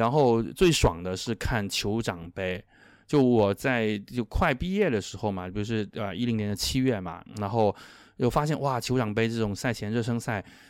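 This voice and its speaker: In a very clean recording with a silent background, a man speaks at a moderate pace and medium pitch. His is an unremarkable speaking voice, with ordinary pitch variation. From Guangdong, Chaoshan region. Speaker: podcast host and writing platform founder. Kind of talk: casual chat.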